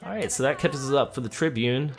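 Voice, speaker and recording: A man's voice: medium pitch, brisk, vocal fry. A man doing game commentary for a let's play, reading in-game text and talking through his choices. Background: game music.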